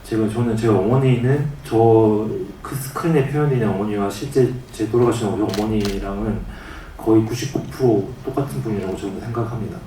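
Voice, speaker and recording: A man's voice: fairly low pitch, warm tone, far from the mic, a little hiss or hum. Hesitant Daegu-accented man in an echoey hall. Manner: halting, with frequent restarts. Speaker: film director. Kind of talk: press conference answers. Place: cinema press conference hall.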